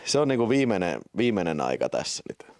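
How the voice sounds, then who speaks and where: A man streaming live to his viewers, casual and quick to swear, laughing at his own mistakes. His voice rises and falls widely, and he breaks into high, excited play-by-play when the match starts. The sound is dry and close to the mic. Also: no room sound. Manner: swearing, self-mocking, jumps to excited high-pitched play-by-play. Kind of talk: casual live-stream chat and game commentary.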